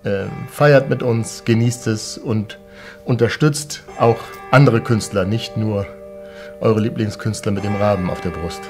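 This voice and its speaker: A man's voice: fairly low pitch, fairly even intonation, measured pace, over music. A man in his forties, a band musician, speaking to fans from a backstage room in an enthusiastic, emotional way, struggling for words. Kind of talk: casual address to fans.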